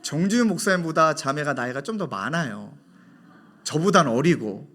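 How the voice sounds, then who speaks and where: A middle-aged man preaching a sermon as pastor in a church, telling stories lively and dropping to soft, hushed tones when quoting. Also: a little high, normal speed. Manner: animated storytelling, drops to soft hushed tones for quoted dialogue. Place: church sanctuary.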